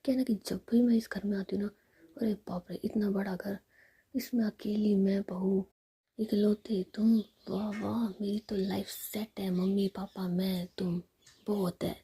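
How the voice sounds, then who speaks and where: A woman's voice: medium pitch, flat delivery, a little slow, dark tone, slightly rough. A woman voicing a playful but worried young woman facing an arranged marriage, whispered.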